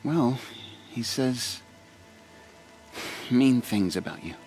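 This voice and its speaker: An actor playing a humble, earnest young tribal stitcher in a video game, soft-spoken, sincere and a little hesitant. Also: male voice, medium pitch, extremely slow, soft background music. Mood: worried, cautious. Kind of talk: video game cutscene acting.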